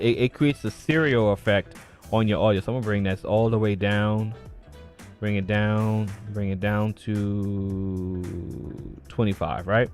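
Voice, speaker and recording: A man's voice: fairly low pitch, a little mellow. A man hosting a late-night live stream, chatting loosely about his streaming gear and answering viewers from the chat. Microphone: streaming mic with audio filters.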